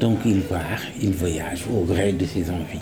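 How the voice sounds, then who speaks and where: A man's very slow, lively-toned speech amid audible room echo and noticeable background noise. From Senegal. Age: 70s. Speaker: community association president. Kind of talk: interview. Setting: social café during a street event.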